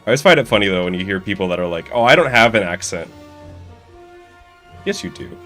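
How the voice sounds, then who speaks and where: A young Midwestern American man chats while gaming on stream, wandering from thought to thought with chuckles and plenty of filler words, game audio and music behind him. His voice is lowish, sing-song and fairly bright, moving a little fast.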